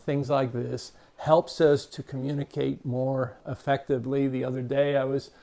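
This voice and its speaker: An older man, born in Cuba and raised in Miami, with a Cuban-American accent, speaking to camera as a behavior expert in a measured, unhurried way with frequent "uh" fillers. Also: mid-range voice, level tone, creaky, mellow. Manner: measured, unhurried, with many "uh" fillers and small restarts. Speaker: behavior expert, channel host. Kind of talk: reflective talk to camera.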